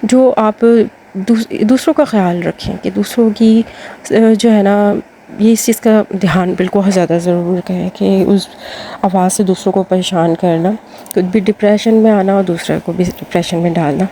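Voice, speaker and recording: A woman with a Pakistani Urdu accent hosts lifestyle advice, chatting casually to women she addresses as sisters and using lots of fillers. Her voice is medium-pitched, steady, and mellow, with a bit of hiss or hum in the audio.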